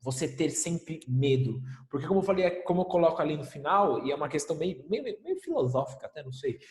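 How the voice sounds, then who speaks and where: A man's voice: a little high, very animated, fast talker, darkish tone. Male teacher, recorded lecture; emphatic, rhetorical, repeats points; roomy echo. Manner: emphatic, rhetorical questions and repetition. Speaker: history teacher. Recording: echoey room with long reverb.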